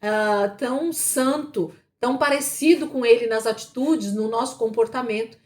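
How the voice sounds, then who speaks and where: A woman's voice: fairly high pitch, moderate pace. A woman teaching a Bible class, explaining patiently and often checking in with her listeners. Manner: explanatory, checks in with frequent tag questions.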